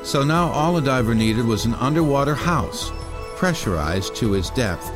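A man's voice: medium pitch, expressive, normal speed. A man with an American accent reading scripted documentary narration as the narrator. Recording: music bed under narration.

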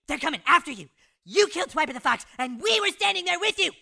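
A man's voice: very high voice, big pitch swings, fast, creaky, bright, forceful tone, full character voice. A man voicing a panicky young schoolboy, frantic and exasperated.

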